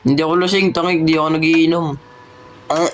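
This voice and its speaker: An excitable gamer host throws out rapid, repeated commands during a game role-play. The voice sits at an ordinary pitch, and the home recording carries a steady hiss of noise. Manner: shouts quick commands, repeats words.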